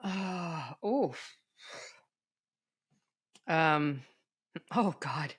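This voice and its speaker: A woman's voice: deep voice, lively intonation, extremely slow, slightly rough. A middle-aged woman as a podcast guest in casual chat, talking in a chatty way with many fillers.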